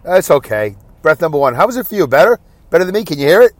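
A man's voice: on the high side, very animated, quick pace. A stuffy-nosed man hosting his own podcast, chatting casually and self-deprecatingly while driving in traffic. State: congested, stuffy nose. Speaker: podcast host. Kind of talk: solo rambling podcast monologue.

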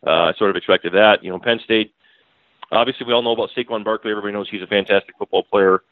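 Guest talking on a tinny phone line. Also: male voice, lowish voice, steady tone, very fast, dry recording. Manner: talkative, frequent restarts and fillers, chuckling asides. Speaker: newspaper beat writer, podcast guest. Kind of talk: casual sports analysis.

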